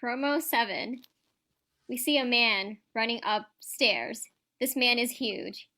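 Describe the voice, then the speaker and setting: A woman's voice: a little high, slow pace, bright, forceful tone. A woman reading scripted stage directions as narrator of a staged reading.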